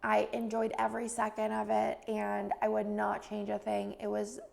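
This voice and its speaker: A young woman rambles through a casual vlog voice-over, full of fillers. Her voice is heavily fried and gravelly, and her pitch stays flat. She sounds a little stuffy and congested. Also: moderate pace. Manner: chatty and rambling, many fillers. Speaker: planner vlogger.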